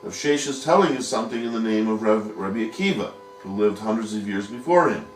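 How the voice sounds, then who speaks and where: A man with a low voice teaches a Talmud lesson, working through the text patiently and posing questions to his students. He sits at a distance from the microphone in a roomy, echoing space with a faint background hiss. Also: lively intonation, brisk. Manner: patient, explains step by step with rhetorical questions. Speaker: yeshiva teacher. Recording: echoey room, mic at a distance.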